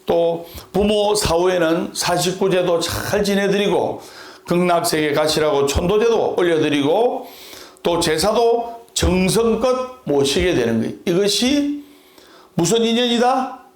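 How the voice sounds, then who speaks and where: A male Buddhist monk preaching with a Gyeongsang accent softened by Seoul speech. He talks deliberately and leads the audience in repeating after him. His voice is high for a man, and a roomy echo surrounds it. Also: lively intonation. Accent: Gyeongsang, mixed with Seoul. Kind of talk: sermon with humor.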